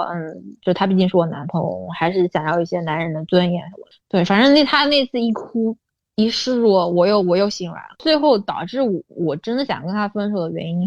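A woman's voice: on the low side, no echo. A young adult woman telling a personal story as a podcast guest, often asking "you know?" and slipping English words into her talk. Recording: dull, dry lo-fi recording.

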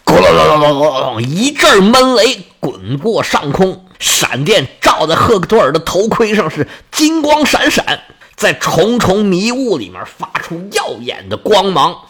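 A man's voice: high-pitched, sing-song, measured pace, a bit bright, husky. A man narrating a story dramatically, making sound effects with his voice.

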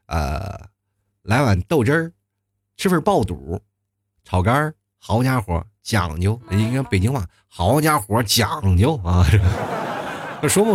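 A man hosting a comedic talk show, reading listener messages and riffing on dialects in a chatty, quick style with frequent tag questions. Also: mid-range voice, husky. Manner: chatty, fast, animated, frequent "是吧" tags and chuckles.

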